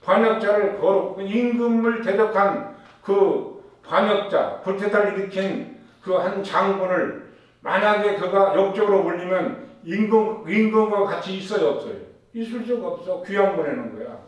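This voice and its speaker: High voiced guy pastor preaching, asks the crowd stuff back, super echoey room, mic kinda far. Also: normal speed. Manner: preaching with call-and-response questions to the congregation. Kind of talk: sermon.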